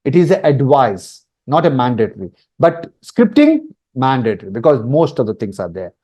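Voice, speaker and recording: Man, Telugu Indian accent, native Telugu, very lively intonation, soft-edged tone, informal teacher, repeats points for emphasis. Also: medium pitch, normal speed. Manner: repetitive, emphatic, checks in with "okay" and "right". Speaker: instructor.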